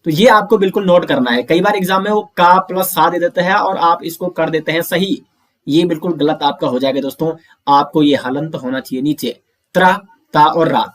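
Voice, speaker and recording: A man with an Uttarakhand Hindi accent teaching Hindi grammar in an online exam-prep lesson, explaining step by step and sounding out letters slowly to show how they are said. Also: on the high side. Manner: explains step by step, often says "दोस्तों" and "ठीक है".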